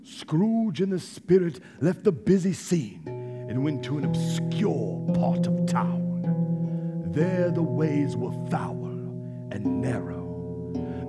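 A man narrating a radio play as a solemn, dramatic storyteller with deliberate phrasing. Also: fairly high pitch, full character voice. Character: solemn male storyteller of a ghost tale. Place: theatre stage before live audience. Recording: stage recording, loud plucked-string music behind.

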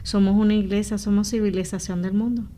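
A woman's voice: mid-range voice, steady tone, fast talker, mellow, a little hiss or hum. A woman from Rico, talking earnestly and explaining things as a missionary guest in an interview. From Puerto Rico. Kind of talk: conversational interview testimony.

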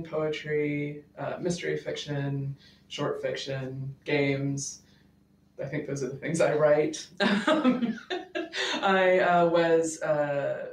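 A man with a Canadian accent, an author being interviewed in a small office, easygoing, laughing often, with many uhs. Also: a little high. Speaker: author and guest. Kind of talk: interview answers. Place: small office before a live audience. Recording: roomy, distant mic, faint noise.

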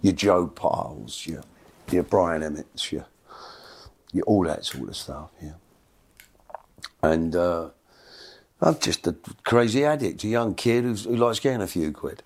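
Middle-aged man, lowish voice, rambling storyteller who repeats himself. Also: animated, a little slow, long pauses, a little mellow. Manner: rambling, repeats words, acts out voices in quotes. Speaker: guest. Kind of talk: casual storytelling.

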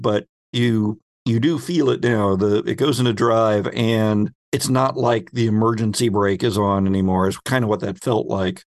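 A man's voice: on the low side, dry recording, clean studio sound. A man speaking as game master, narrating a tabletop roleplaying game in a conversational way and directing the players. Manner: conversational, explains by addressing players as their characters.

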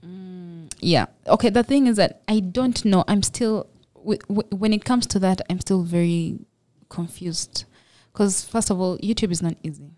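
A woman's voice: fairly low pitch, unhurried, hardly any pauses, dark tone, dry recording. A young Ugandan woman with a Ugandan accent, speaking modestly and reflectively as a podcast guest. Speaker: guest, makeup entrepreneur. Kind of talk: casual podcast interview.

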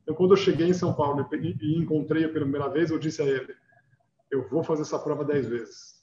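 A man's voice: on the high side, steady tone, quick pace, muffled recording, background noise. Earnest Brazilian man on an echoey line. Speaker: guest, marathon runner. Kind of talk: casual interview answers.

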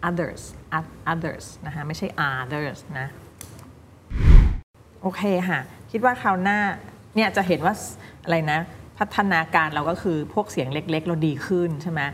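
A woman teaching English pronunciation, drilling single words slowly and then explaining quickly. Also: on the low side, a little hiss or hum. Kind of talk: pronunciation coaching. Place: recording studio.

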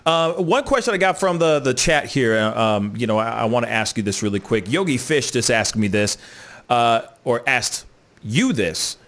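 A man's voice: mid-range voice, lively intonation, moderate pace, a bit bright. A man with a mid-range voice hosts a casual conversation. He is easygoing and often adds filler phrases while he talks. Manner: laid-back, repeats "you know what I'm saying". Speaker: host.

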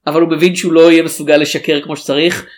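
A man chatting casually about a film as a podcast co-host, animated and rambling with restarts. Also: on the high side. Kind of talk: casual film review chat.

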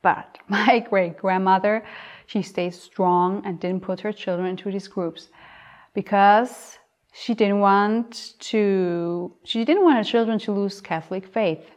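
A woman's voice: mid-range voice, slow, a little mellow. Chatty young Austrian woman host. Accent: Austrian German. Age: young adult. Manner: chatty and self-correcting, with hesitations and restarts. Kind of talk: casual unscripted talk show.

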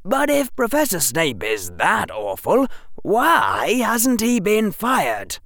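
A man's voice: high-pitched, wildly swooping pitch, slow, creaky, fairly bright tone, dry recording, voice pushed up, exaggerated voice. A man voicing a clever, dry-witted young schoolboy wizard in a storybook reading, speaking in a matter-of-fact, wry way.

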